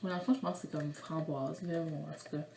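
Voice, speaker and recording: A woman's voice: sits low, fairly even intonation, fast talker, gravelly, darkish tone, roomy sound, slight background noise. Giggly Quebec French young woman vlogging. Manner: giggly, rambling with fillers. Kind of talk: casual haul vlog.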